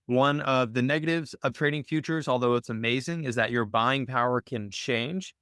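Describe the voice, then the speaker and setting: A man with a clean, smooth voice at a middle pitch hosts an informal question-and-answer session. He talks in a conversational, explanatory way, working through his thoughts out loud. The sound is dry, with very little room in it. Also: moderate pace, no room sound. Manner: conversational, explanatory, thinking aloud. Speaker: host of a trading Q&A call. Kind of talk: casual explanatory screen-share Q&A.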